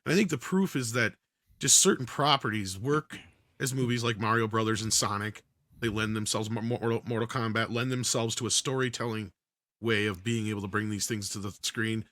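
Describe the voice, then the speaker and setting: A man's voice: fairly low pitch, a little fast, fairly bright tone, dry recording, studio quality. A man giving casual, opinionated commentary on movies in a panel discussion, talking at length as he argues his point. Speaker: panelist on an entertainment news talk show.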